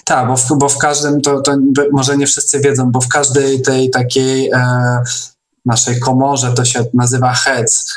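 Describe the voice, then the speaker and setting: A man hosting a casual online interview, speaking in a hesitant, halting way. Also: mid-range voice, monotone. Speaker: host of an online meeting. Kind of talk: casual interview over a video call.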